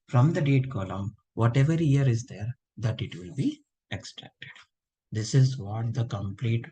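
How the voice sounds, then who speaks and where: A man's voice: lowish voice, mellow, breathy edge, rough recording. A man teaching a live online class, feeling unwell and checking in with students often. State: unwell, low voice. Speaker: instructor.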